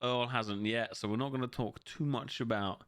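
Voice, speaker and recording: A man's voice: medium pitch, fairly even intonation, normal speed, fairly bright tone, clear, resonant tone, no room sound. A man co-hosting a casual gaming podcast, laughing often and swearing freely. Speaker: podcast co-host. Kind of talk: casual chat.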